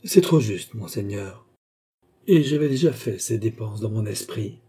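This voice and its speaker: A man's voice: lowish voice, animated, a little slow, warm tone, breathy edge. A man voicing a polite middle-aged jeweler who speaks with careful deference. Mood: deferential. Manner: polite and formal.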